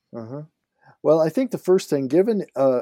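A man with an American accent talks at a fairly quick pace, his intonation lively and his tone dark and mellow. The sound is dry and close with no echo, on a very clean recording with a silent background. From Oklahoma, US. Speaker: college president and theologian. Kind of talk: casual interview conversation.

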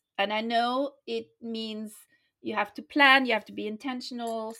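A woman with a French accent speaks at a fairly slow pace in a bright, sharp tone, with fairly high pitch and ordinary pitch variation, on a very clean recording with a silent background. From France. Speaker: missionary. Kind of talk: interview.

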